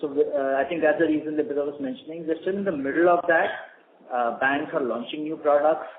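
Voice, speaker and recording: A man speaking as a company executive, answering questions on an earnings call in a halting, hesitant way. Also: fairly high pitch, phone-quality sound. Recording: echoey, noisy, band-limited conference line.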